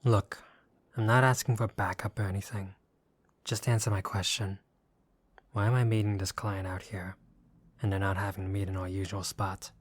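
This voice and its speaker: Wary young gangster for hire, played by a male actor, lowish voice, gruff but decent, sardonic and guarded, audio roleplay drama. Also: little pitch movement, normal speed, pauses often, no echo, lightly acted. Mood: incredulous, annoyed. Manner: guarded, sardonic, casual street talk.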